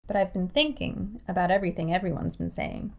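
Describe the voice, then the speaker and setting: A woman's voice: on the low side, a little fast, gravelly. A woman playing a hesitant, simple-minded, laid-back college quarterback in an audio drama. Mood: pondering.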